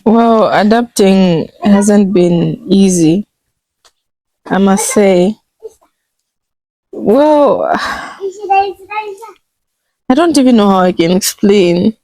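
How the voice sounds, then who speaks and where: Slow-spoken young woman from Zambia. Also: medium pitch, dry recording, rough recording. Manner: slow and thoughtful, with pauses and soft laughs. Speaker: interviewee. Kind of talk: casual interview.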